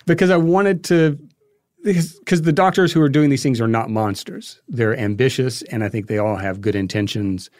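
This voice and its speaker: A man being interviewed as a guest, explaining history in a conversational, halting way as he thinks aloud. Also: medium pitch, darkish tone, dry recording, studio quality. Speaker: interview guest, filmmaker and podcast creator.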